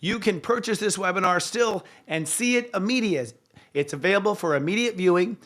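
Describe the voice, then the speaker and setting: A man with a hoarse voice, hosting a live astrology show in a chatty way, with frequent fillers and self-corrections. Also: high voice, expressive, a little fast, fairly bright tone.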